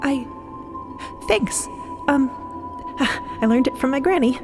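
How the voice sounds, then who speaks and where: A woman playing an earnest, self-conscious adventurer in an audio drama, talking in a casual, halting, awkward way. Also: a little high, big pitch swings. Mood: embarrassed. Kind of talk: scripted audio drama acting. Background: music.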